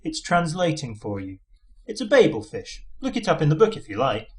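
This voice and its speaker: A man voicing a breezy, unflappable space-travelling friend in an audiobook, brisk, reassuring and matter-of-fact. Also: on the high side, wildly swooping pitch, breathy edge, pitched above the performer's own voice, exaggerated voice. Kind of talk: audiobook character dialogue.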